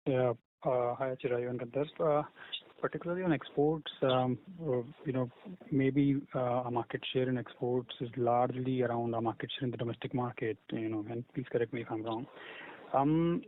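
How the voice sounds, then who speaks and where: A man speaking as an analyst, politely and hesitantly asking questions on an earnings call. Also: mid-range voice. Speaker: financial analyst. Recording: tinny phone line with faint noise.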